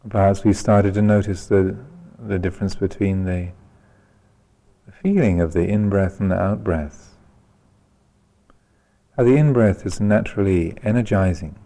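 With a low voice, this man guides a meditation in a calm, gentle, unhurried manner, letting long pauses fall between his phrases.

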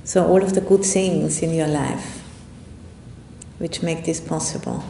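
A woman giving a guided meditation talk as a meditation teacher, speaking in an unhurried, reflective way with long pauses. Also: fairly even intonation, creaky, dark tone. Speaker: Buddhist nun and meditation teacher. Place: indoor room at a retreat center. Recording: roomy echo, faint rumbling background noise.

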